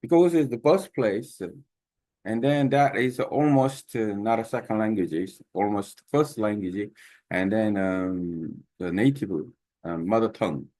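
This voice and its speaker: Slow, halting man with a Korean accent. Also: on the low side, dark tone, no room sound. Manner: halting, many pauses and fillers. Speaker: language learner sharing his method. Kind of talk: unscripted talk to camera.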